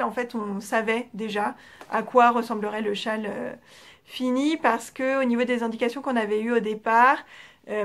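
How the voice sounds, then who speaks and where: A French-accented woman talks through her knitting in a relaxed, chatty way, filling gaps with little fillers. Her voice sits a little high. She speaks toward a camera as a podcast host. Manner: chatty, relaxed, with frequent fillers and soft trailing asides. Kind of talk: casual show-and-tell chat. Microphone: camera facing the speaker.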